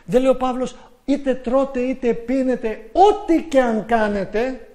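A man preaching a sermon in an emphatic way, rising to loud exclamations. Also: very high-pitched.

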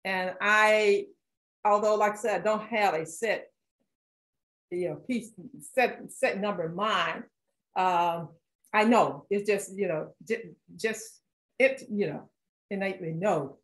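A woman's voice: medium pitch, takes it slowly, a bit bright. Chatty woman in an echoey room. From Philadelphia. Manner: chatty, many fillers and restarts, laughs often. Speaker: art collector and author, guest. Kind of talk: conversational author talk.

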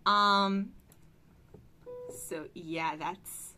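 A woman's voice: fairly low pitch, steady tone, drawn-out words, sharp tone. A woman reacting to a song and explaining vocal technique like a voice teacher, with lots of filler words. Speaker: music reaction reviewer. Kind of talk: casual reaction commentary. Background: song playing faintly.

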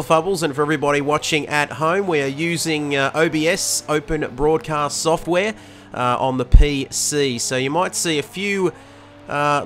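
A man commentating a sim racing stream, excitable and chatty, his voice going hoarse after the flu. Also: a little high. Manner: excitable, chatty, many fillers. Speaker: race commentator.

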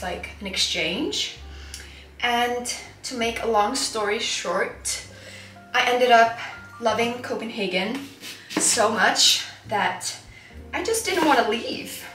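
A woman's voice: fairly high pitch, bright, forceful tone, reverberant. Chatty young woman from Iceland. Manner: chatty, enthusiastic, frequent "like" and "honestly". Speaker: lifestyle vlogger. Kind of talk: casual cooking vlog chat. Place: small home kitchen, indoors.

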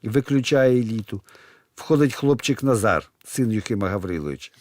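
A man reading a comic play aloud, moving between plain stage directions and loud character lines. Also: lowish voice, lively intonation, normal speed. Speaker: narrator reading a play with all its voices.

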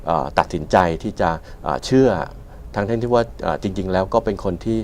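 Male studio guest, very low pitch, hesitant delivery, noticeable background noise. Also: darkish tone. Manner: hesitant, very frequent filled pauses. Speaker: panel guest. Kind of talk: explanatory panel talk. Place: television studio.

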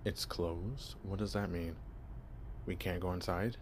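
A bashful young vampire stumbles over his words, deep-voiced and unhurried as he fumbles through a cover story, played by a young man. The delivery is awkward and hesitant, full of nervous restarts. A faint hiss sits under the ASMR audio. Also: steady tone. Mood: flustered, awkward. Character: shy, clueless young male vampire posing as human. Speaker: voice actor.

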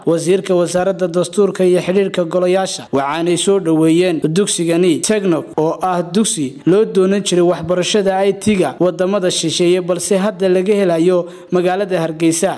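A man's voice: high voice, darkish tone. A man narrating a news report in a formal, scripted way. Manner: brisk formal delivery.

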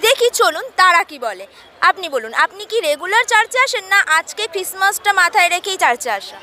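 A young woman with a Bengali accent, hosting a lively vox pop street interview with a handheld mic outdoors. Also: extremely high pitch, brisk. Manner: lively, chatty presenter. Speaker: street reporter and host. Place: crowded churchyard lawn outdoors. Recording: outdoor crowd in the background.

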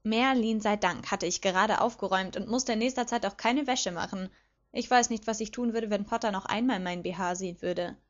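A woman reading a fan fiction audiobook aloud as lively first-person storytelling. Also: mid-range voice, a little fast. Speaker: audiobook reader. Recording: slightly dull lo-fi recording.

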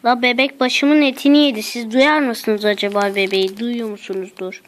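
A woman's voice: on the high side, fairly even intonation, moderate pace. A woman giving let's play commentary as she explores a game map, exclaiming, muttering to herself and using slang. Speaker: gaming channel host.

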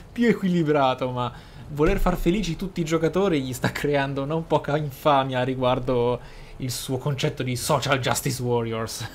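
A man's voice: mid-range voice, slight background noise. A man giving video game commentary in wordy, formal phrasing. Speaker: video game let's player. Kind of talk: game commentary, reading skill descriptions aloud.

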